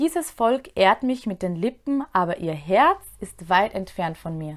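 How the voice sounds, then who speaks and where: Against a quiet background, a woman speaks very slowly with very wide pitch swings. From Austria. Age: 20s. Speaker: youth presenter sharing faith reflection; youth faith vlogger. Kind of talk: casual religious testimony monologue. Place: home room. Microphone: lapel.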